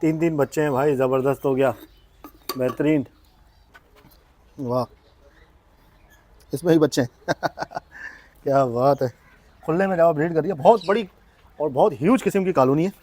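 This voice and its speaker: A man with a Pakistani Urdu accent guiding viewers through an outdoor bird aviary in an excited, exclaiming manner, birds chirping nearby. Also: a little high, moderate pace, long pauses. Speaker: vlogger touring a bird aviary. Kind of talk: casual walk-through vlog. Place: outdoor open aviary at dusk.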